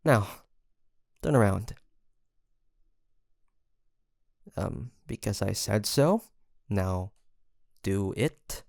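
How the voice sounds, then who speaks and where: A man playing a guarded young demon hunter in an intimate audio roleplay, hesitant and confiding, with a softer side showing through. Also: lowish voice, animated, slow, vocal fry, no echo, studio quality, heavily acted. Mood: flustered, curt.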